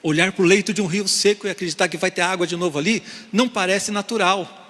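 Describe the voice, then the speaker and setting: A man's voice: high-pitched, quick pace, a bit bright, in a large hall. A man preaching a sermon to his congregation as pastor, asking rhetorical questions and often calling for an "amém". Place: church sanctuary.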